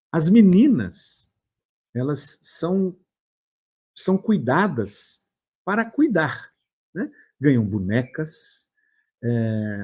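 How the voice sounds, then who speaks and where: A man's voice: medium pitch, dark tone, breathy edge. A Brazilian man with a Brazilian Portuguese accent, a therapist giving an earnest motivational talk full of anecdotes and repeated "né?" tags.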